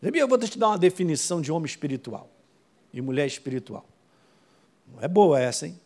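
A male pastor, preaching a sermon in a lively, conversational way full of quick asides. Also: fairly high pitch.

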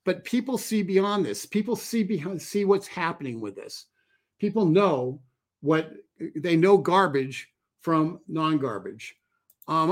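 A man talking straight to camera as a political commentator, emphatic and repeating key phrases. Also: fairly high pitch. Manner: emphatic, repeats phrases, reads quotes aloud. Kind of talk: solo commentary video.

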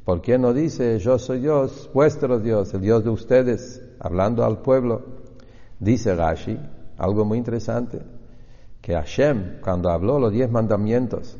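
A man's voice: medium pitch, unhurried, mellow. A man teaches a Torah lesson, asking questions and then answering them himself. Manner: explanatory, asks and answers his own questions. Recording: dull lo-fi recording in a reverberant hall.

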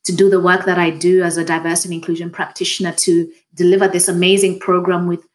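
Reflective woman, measured and thoughtful. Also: on the low side. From Kenya. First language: Swahili. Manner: thoughtful, steady, with frequent pauses and restarts. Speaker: guest, diversity and inclusion practitioner. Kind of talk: reflective conversational storytelling.

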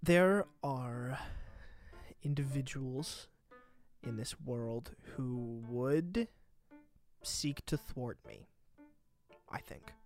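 A woman's voice: rumbling low, lively intonation, drawn-out words, pauses often, a little mellow, soft background music, full character voice. Jedediah, a woman playing a secretive young man. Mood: guarded. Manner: terse and evasive, with weary sighs. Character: guarded, secretive young man who acts like a villain.

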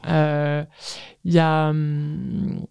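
A woman's voice: low voice, fairly even intonation, very slow, creaky, smooth, no echo, lo-fi sound. A woman in her thirties answering casually as an interview guest, hesitant and often searching for words. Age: 30s. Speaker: guest artist, ceramicist.

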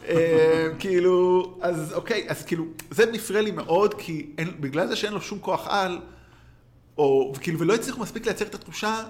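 A man co-hosting a casual film discussion, rambling with many fillers and restarts. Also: sits high. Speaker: podcast co-host.

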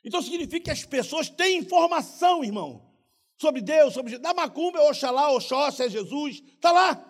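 A man preaching a lively sermon. He keeps calling his listeners "irmão", stages role-play with the crowd and breaks into shouts. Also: very high-pitched, moderate pace. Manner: animated, calls listeners "irmão", bursts into shouts.

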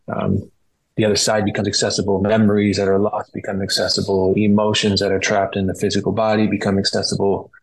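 A man giving explanatory answers as a podcast guest, in a measured, reflective way with pauses. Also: on the low side, gravelly, husky, poor audio. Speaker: podcast guest, retreat practitioner. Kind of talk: explanatory interview talk.

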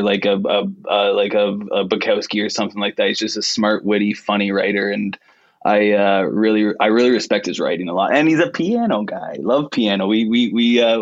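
A man with a deep voice, a musician guest chatting easily about songs with many fillers and restarts. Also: no room sound, dull audio. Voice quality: low, deep voice. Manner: easygoing, hesitant with many fillers. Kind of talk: casual interview chat.

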